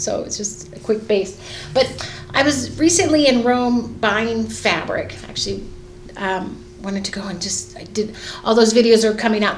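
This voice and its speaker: A woman's voice: mid-range voice, a little hiss or hum. A middle-aged woman, a fashion designer, chatting casually and rambling with lots of fillers as she sews in her studio. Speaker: fashion designer and sewing vlogger. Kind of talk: casual chat while sewing. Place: sewing studio indoors. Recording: echoey room with faint ambience.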